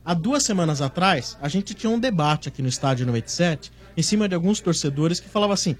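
A man, a regular panelist on a football talk show, arguing in an animated, emphatic way. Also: a little high, fast. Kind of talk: casual sports debate.

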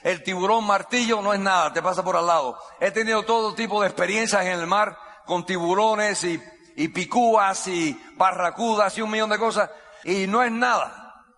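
Bright high-voiced man, echoey hall. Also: normal speed. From United States. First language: English. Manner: repeats key phrases, vivid gestures, builds suspense. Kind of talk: dramatic storytelling speech.

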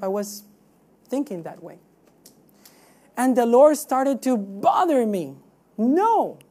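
Female preacher from Cuba, warm-toned and fairly high, emphatic teaching delivery with rhetorical questions. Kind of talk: sermon.

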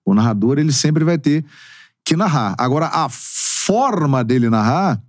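A man's voice: a little high, measured pace, no room sound. A sports narrator in his forties talks as a podcast guest. His voice swoops widely up and down as he leans into stories. The sound is close and dry, with no room around it. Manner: expressive storyteller with emphatic, swooping delivery; relaxed, talkative, drops casual slang. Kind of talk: casual interview chat.

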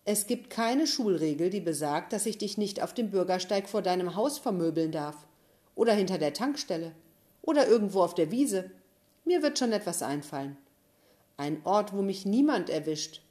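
A woman's voice: medium pitch, animated, moderate pace, warm tone, lightly acted. Woman doing a smug bullying schoolboy. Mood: smug threatening. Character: boastful bullying schoolboy, threatening.

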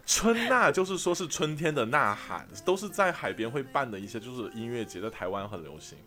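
A man from Sichuan, China, co-hosting a podcast and telling a trip story in casual chat, animated and often laughing. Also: medium pitch, brisk. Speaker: podcast co-host.

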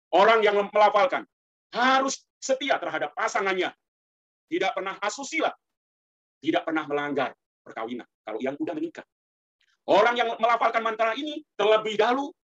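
A man's voice: high voice, a bit bright, dull audio. A man giving a Buddhist sermon in a colloquial, rhetorical way, often turning to address the congregation directly. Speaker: Buddhist preacher.

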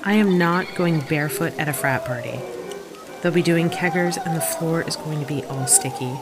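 Woman acting a lowish-voiced, sulky young partygoer. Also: normal speed, lightly acted. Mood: firm, annoyed. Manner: wry, grumbling. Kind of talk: audio drama acting. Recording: loud music bed behind the voice.

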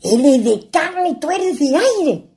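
A woman playing a cautious, scolding country ghost with a husky voice and a Chilean accent, speaking rural colloquial speech in a radio play. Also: sits high, animated, slow, dark tone, heavily acted. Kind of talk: radio theatre acting.

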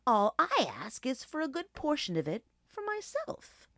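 A woman's voice: sits high, huge pitch swings, a little slow, fairly bright tone, dry recording, clean studio sound, pitched above the performer's own voice, full character voice. A woman voicing a sly, mischievous aging female wolf in a children's storybook, teasing and persuasive. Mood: coaxing, theatrical.

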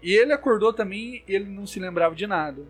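A man's voice: high-pitched, fast talker. A young Brazilian man with a slightly raised voice tells eerie stories in a loose chat. He stumbles and restarts often, filling gaps with fillers. Faint music plays underneath. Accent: Brazilian Portuguese. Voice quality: hesitant, many restarts and fillers. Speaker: storyteller. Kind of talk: casual chat, telling spooky stories.

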